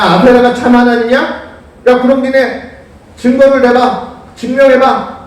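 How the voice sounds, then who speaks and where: A man voicing a bold male prophet who brashly taunts and challenges his rivals in rough casual speech. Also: high voice, voice pushed up. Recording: echoey church hall, distant mic.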